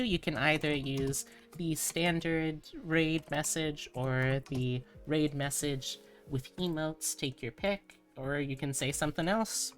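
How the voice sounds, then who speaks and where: A woman hosting a livestream, chatting casually to her viewers in an informal, playful way with cutesy wording. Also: sits low. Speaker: livestreamer, VTuber host. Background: background music.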